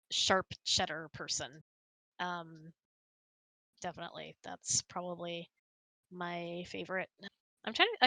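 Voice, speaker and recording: A woman's voice: on the low side, bright, forceful tone, dry recording. A woman host chatting casually and answering audience questions in a giggly, chatty way.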